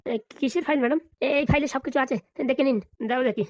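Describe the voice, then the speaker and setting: Woman doing a rapid-fire flustered cartoon police officer. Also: high-pitched, fairly even intonation, lightly acted. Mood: deferential. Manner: stammering, hesitant, placating. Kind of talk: comedy cartoon dialogue.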